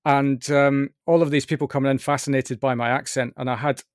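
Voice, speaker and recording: A man from Scotland with a softened Scottish accent, hosting a podcast in a bright, chatty, self-deprecating way. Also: medium pitch, flat delivery, brisk, no room sound, studio quality. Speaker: podcast host. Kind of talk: upbeat podcast chat.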